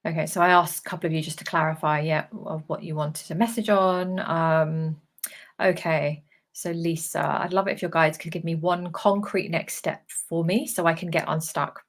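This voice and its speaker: A woman speaking as a spiritual medium in a live channeling session, relaying guidance in a halting, emphatic way with repeated phrases. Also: low voice, steady tone. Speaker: spiritual channeler relaying messages from guides to viewers.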